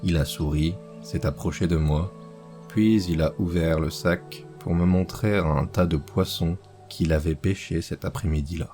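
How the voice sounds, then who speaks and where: A man reading a horror story aloud as scripted narration, slow and measured. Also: low voice, steady tone, mellow, soft background music.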